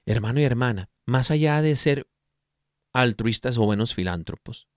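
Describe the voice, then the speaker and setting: A man co-hosting a Catholic program, preaching warmly to listeners and acting out playful voices. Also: medium pitch, moderate pace, no room sound, clean studio sound. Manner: animated, exhorting listeners directly, acts out voices playfully. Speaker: co-host of a Catholic radio program. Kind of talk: preaching in casual chat.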